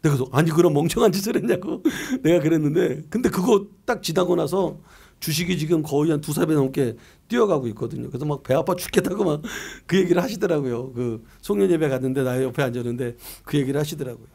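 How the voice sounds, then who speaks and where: A man's voice: a little high, fast talker, creaky, mellow, slightly rough. A middle-aged man preaching a year-end sermon as pastor, reading scripture aloud and asking and answering his own questions in a conversational way.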